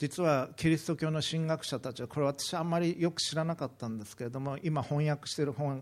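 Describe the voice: The speaker is a man with a slightly mellow tone. He moves at a fairly quick pace.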